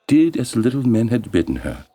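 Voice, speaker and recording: A man narrating a bedtime fairy tale as a storyteller, in a measured, expressive and deliberate way. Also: mid-range voice.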